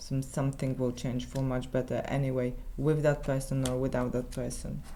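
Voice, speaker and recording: A woman's dark, mellow tone at a moderate pace, with audible room echo. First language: Polish. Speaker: tarot reader. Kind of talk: tarot reading. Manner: hesitant, many fillers.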